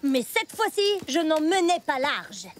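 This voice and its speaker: High, swooping, theatrical little girl storyteller. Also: sing-song, a little slow, slight background noise. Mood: dramatic. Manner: theatrical, exclamatory. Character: plucky girl scout telling a tall adventure tale. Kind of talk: dramatic cartoon storytelling.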